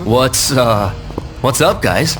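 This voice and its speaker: An actor playing a brash, nervous young street hood in a video game, slangy and defensive. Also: male voice, medium pitch, lively intonation, slow pace, raised voice, loud music behind the voice. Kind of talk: video game cutscene acting.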